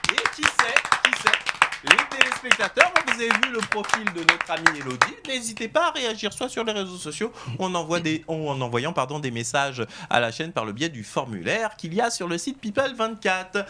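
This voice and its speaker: Male TV presenter, fairly high and animated, wordy, encouraging, studio talk show. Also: fairly quick, very noisy. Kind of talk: TV talk show hosting, addressing guests and viewers.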